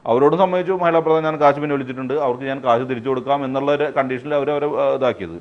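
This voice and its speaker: With the high frequencies cut off, the recording carries a mid-range male voice from Thrissur district, Kerala. He's a fraud victim recounting events unscripted in an interview, hesitating, searching for words, and mixing in English.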